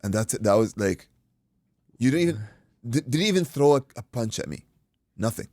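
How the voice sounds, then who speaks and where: A man from Iraq, a boxing coach and guest, telling an animated story in casual chat, acting out quotes and swearing freely. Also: medium pitch, moderate pace, dry recording, studio quality.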